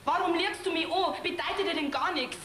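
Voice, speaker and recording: A woman's voice: extremely high pitch, fairly quick, a bit bright. An actress playing a young farm daughter with a Bavarian accent who reproaches her sweetheart in a stage folk comedy. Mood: angry. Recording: echoey stage with audible hiss.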